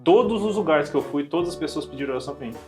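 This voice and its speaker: A Brazilian man hosting a podcast, telling a story in a quick, chatty way. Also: fairly high pitch, animated, a little mellow, soft background music. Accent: Brazilian Portuguese. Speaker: podcast host. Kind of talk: casual podcast chat.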